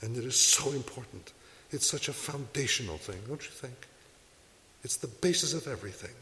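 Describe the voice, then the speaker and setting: A man's voice: mid-range voice, lively intonation, moderate pace, sharp tone, in a large hall, slight background noise. A man, a Catholic priest, giving an earnest sermon, exhorting his listeners and asking them rhetorical questions. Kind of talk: sermon to a congregation.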